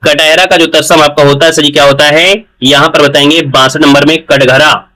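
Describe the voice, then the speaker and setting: Male tutor, slightly high voice, repetitive exam-prep lecturing. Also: steady tone, brisk, sharp tone, low-quality recording. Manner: repetitive, addresses students as "sir ji". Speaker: teacher.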